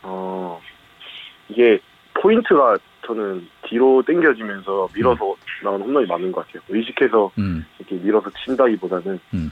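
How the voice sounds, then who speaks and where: The speaker talks at a moderate pace with ordinary pitch variation and big swings in loudness. Noticeable background noise runs underneath. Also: man, fairly low pitch for a man. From South Korea, Masan. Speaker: professional baseball player. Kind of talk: interview. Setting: phone call. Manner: clipped military-style politeness.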